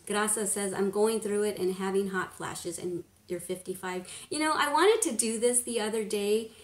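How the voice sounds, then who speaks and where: A woman in her fifties chatting casually on a home live stream, rambling, laughing often and sometimes dropping to a hush. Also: medium pitch, moderate pace. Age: 50s. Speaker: beauty vlogger, live stream host. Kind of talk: casual live-stream chat reading comments. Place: living room at home, indoors. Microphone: webcam at desk distance. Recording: echoey room.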